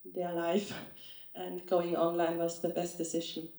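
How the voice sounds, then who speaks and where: A woman's voice: fairly low pitch, monotone, a little slow, vocal fry, mellow. A woman from Austria speaking earnestly on a live panel, with some non-native slips. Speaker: nutritionist, panelist. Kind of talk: panel talk. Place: live event stage. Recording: echoey event room.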